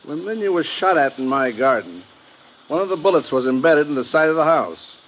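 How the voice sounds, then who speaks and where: An actor in a 1950s radio drama playing a matter-of-fact legation official who explains things earnestly. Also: male voice, a little high, lively intonation, a little fast, close to an everyday voice. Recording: dull, noisy old radio recording.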